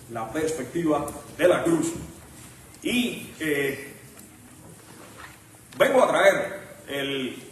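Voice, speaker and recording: Puerto Rican preacher in an echoing hall. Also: male voice, fairly high pitch, a little hiss or hum. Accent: Puerto Rican Spanish. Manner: measured, with frequent pauses and restarts. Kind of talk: sermon. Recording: echoey hall, mic at a distance.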